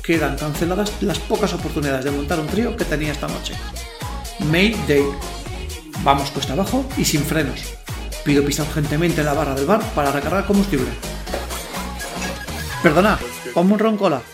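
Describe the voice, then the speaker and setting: A man's voice: on the high side, moderate pace, long pauses, close to an everyday voice. An actor playing a cocky, lustful young man in a werewolf costume, narrating his night in slangy, self-mocking audio fiction. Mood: deflated, self-mocking. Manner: slangy, boastful, talks to himself. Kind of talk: first-person audio fiction narration with dialogue. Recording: roomy echo, faint music behind.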